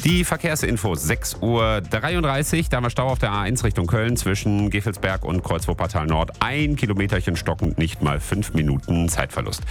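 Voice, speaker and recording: A man's voice: fairly low pitch, animated, moderate pace, hardly any pauses, music in the background. A man hosting a morning radio show, chatty and upbeat, giving weather and traffic. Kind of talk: casual radio presenting. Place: radio studio. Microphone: studio microphone.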